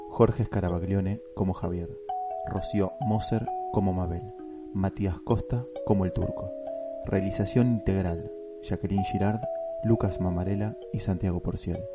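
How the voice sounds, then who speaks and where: A man's voice: deep voice, fairly even intonation, moderate pace. A man reading scripted radio credits as the announcer. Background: prominent music.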